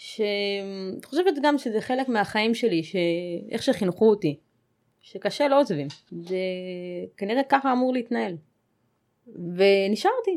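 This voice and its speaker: Leaving long, frequent pauses, a woman of medium pitch speaks at a very slow pace with lively intonation. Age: 30s. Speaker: abuse survivor. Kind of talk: testimony.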